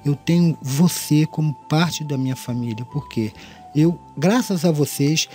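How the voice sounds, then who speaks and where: Higher-voiced Brazilian man with a slushy lisp. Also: a little slow, darkish tone, soft background music. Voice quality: tongue-tied lisp with slushy s sounds. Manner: earnest, repeats and rephrases his points, addresses listeners formally. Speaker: host of an audio mixing tutorial channel. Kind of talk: informal spoken lesson.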